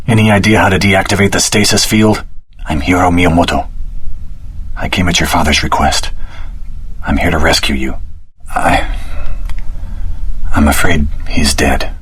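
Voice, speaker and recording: An actor playing a wry, world-weary swordsman hero in a video game, speaking in a dry, casual, gravelly voice. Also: low-pitched, fairly bright tone, heavily acted. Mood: tough, determined. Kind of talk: scripted video game voice acting.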